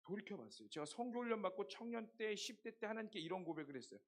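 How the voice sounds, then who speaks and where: A hoarse young man preaching a sermon to a youth group, telling stories and asking the congregation rhetorical questions. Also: sits high, sing-song, very fast. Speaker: youth pastor.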